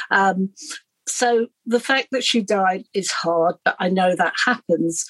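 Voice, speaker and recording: A woman with a normal speaking voice talks at medium pitch with ordinary pitch variation, in a dry, close sound with no echo. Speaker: charity volunteer director. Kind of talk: casual chat.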